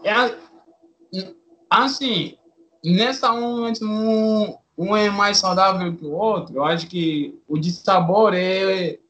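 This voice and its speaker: A young man, telling a story casually in slangy, halting speech with many restarts. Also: sits high, a bit bright, muffled recording, a little hiss or hum. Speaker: interviewee.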